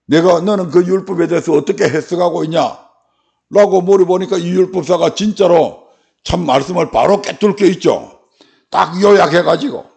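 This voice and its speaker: A man's voice: sits high, creaky, a little mellow. A male pastor in his fifties with a Gyeongsang dialect, preaching a folksy sermon in a church and asking his congregation questions. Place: church sanctuary.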